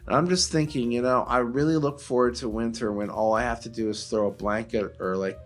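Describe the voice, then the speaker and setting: A man speaks in a casual, rambling podcast style with a joking streak. His voice sits at an ordinary middle pitch, and music plays faintly behind him. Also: steady tone, a little fast. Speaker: podcast host. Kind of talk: casual chat.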